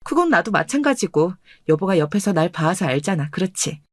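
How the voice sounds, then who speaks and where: Woman doing a self-assured wealthy wife for a radio story, calm n teasing, dry recording. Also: fairly low pitch, a little fast, no echo. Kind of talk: dramatized radio story dialogue.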